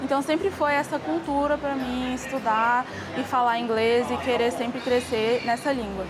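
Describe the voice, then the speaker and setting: High-voiced earnest young woman. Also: steady tone, moderate pace, a crowd in the background, rough recording. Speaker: interviewee. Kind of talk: casual interview testimony. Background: background music.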